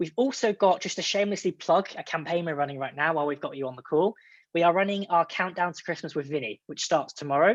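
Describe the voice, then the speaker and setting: Speaking very fast at a high pitch with ordinary pitch variation, a man with a British accent is heard in a dry sound with no echo against a quiet background. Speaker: customer engagement manager, webinar presenter; webinar presenter. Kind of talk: software webinar. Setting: online video call. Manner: upbeat, casual. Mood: friendly, light, joking. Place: home room. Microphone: webcam.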